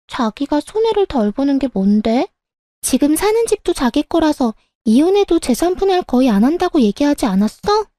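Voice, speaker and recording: Brief: woman playing a pushy young mistress, high and swooping, soft mellow tone, dry close sound. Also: very animated, moderate pace, dry recording. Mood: demanding. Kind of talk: story narration with acted voices.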